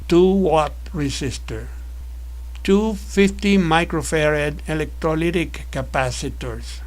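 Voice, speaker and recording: A man narrating a scripted electronics tutorial as an instructor, explaining in a measured, methodical way. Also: a little high.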